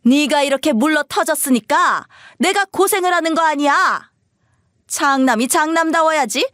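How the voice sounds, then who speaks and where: A woman's voice: high voice, normal speed, fairly bright tone, no echo, clean studio sound, voice pushed up. A woman voicing a bossy, scornful middle-aged mother-in-law who scolds and sneers, for an audio story. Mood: scornful scolding.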